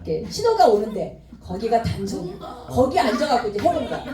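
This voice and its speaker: A woman's voice: on the high side, fast talker, a crowd in the background. A woman teaching a singing class, joking with her students and singing short phrases to show them how. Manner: lively, joking, sings phrases to demonstrate. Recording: roomy hall with backing music.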